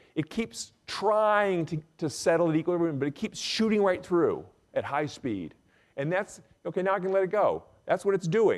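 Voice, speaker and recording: A man's high-pitched, animated voice at a moderate pace, with ordinary pitch variation, on a very clean recording with a silent background. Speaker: physics professor. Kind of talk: lecture. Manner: animated, repetitive stammers.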